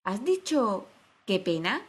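Woman narrator playing a jittery white rabbit, pitched up, talking low and hurried. Storybook audio. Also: big pitch swings. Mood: hushed anxious. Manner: anxious, hurried, low-voiced. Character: nervous, hushed white rabbit. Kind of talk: storybook reading.

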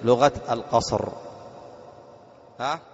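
A man's voice: mid-range voice, fairly even intonation, a little mellow, long reverb tail, lo-fi sound. A man teaching an Arabic grammar lesson as a sheikh, reading a text aloud and quizzing his students with questions. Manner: reads a text aloud slowly, then explains it.

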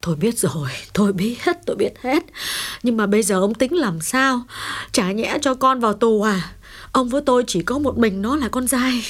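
A woman voicing a gentle, anxious middle-aged mother who pleads with her husband in an audiobook. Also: mid-range voice, lively intonation, moderate pace, natural voice. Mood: whispered. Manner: pleading, worried.

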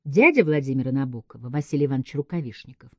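A woman reading a scripted literary essay aloud in a measured, emphatic way, with deliberate pauses between phrases. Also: rumbling low, animated, no echo, muffled recording. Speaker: writer giving a literary essay.

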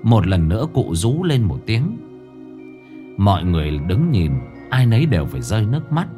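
A man narrating a ghost story in a dramatic, expressive storytelling manner. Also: fairly low pitch, normal speed, music in the background.

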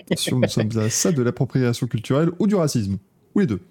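A man hosts a motorsport podcast and talks quickly in a relaxed, mellow voice. He jokes with his co-hosts and keeps things loose. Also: mid-range voice, husky. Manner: joking, rapid, loose. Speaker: podcast host. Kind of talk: casual chat, wrapping up the show.

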